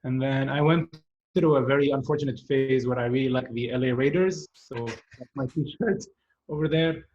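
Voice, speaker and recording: A man's voice: mid-range voice, normal speed, a little mellow, slight background noise. Man on a dull video-call line. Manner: chatty, laughing, many fillers, switches into Arabic. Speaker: guest. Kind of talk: casual storytelling on a video call. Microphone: remote video-call connection. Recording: dull remote call audio.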